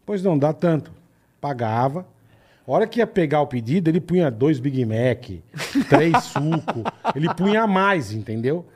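Brief: Brazilian man, fairly high voice, swooping intonation, casual slangy chatter. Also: animated, moderate pace, breathy edge. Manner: chatty, reacts with slang interjections. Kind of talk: casual chat.

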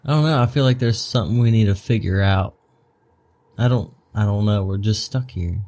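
A man's voice: lowish voice, normal speed, a little mellow. A man playing in a tabletop game, chatting casually and joking with the group. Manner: easygoing, joking. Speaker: player.

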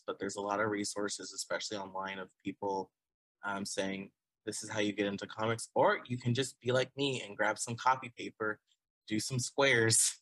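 A man's voice: on the low side, fairly bright tone, dry recording, rough recording. A man in his twenties, a guest chatting casually and loosely with many fillers. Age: 20s. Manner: rambling, filler-heavy, laughs often. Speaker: guest artist. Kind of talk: casual conversation.

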